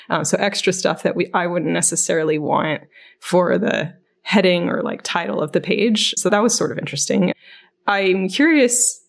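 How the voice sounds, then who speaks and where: Low-voiced woman chatting on a podcast. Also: vocal fry. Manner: informal, frequent "like". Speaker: podcast co-host. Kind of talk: casual chat.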